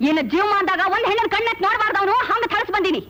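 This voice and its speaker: A woman's voice: very high-pitched, very fast, pushed and bright. An actress playing a fierce village mother, who talks sharply and scolds. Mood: scolding. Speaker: mother of the family. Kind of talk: film drama acting. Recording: film soundtrack with music behind.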